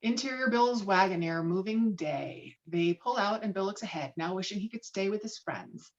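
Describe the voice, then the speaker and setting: A woman's voice: medium pitch, normal speed. A woman reading screenplay stage directions as a narrator, in scripted narration over a video call. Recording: dull, lo-fi online call audio.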